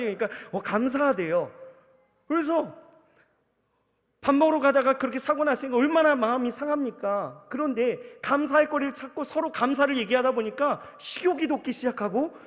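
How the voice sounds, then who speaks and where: A male pastor in his thirties preaching a sermon, telling a personal story and acting out his own inner thoughts. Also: extremely high pitch. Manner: storytelling with acted inner monologue. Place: church sanctuary. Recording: long church hall reverb.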